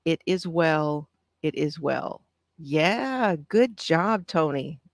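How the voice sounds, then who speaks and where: A woman hosting a casual live stream, with a soft, calming voice, reading out notes on breathing and answering viewer comments. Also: low voice, no echo, studio quality. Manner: gentle, reads aloud with pauses and answers viewer comments. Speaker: craft channel host.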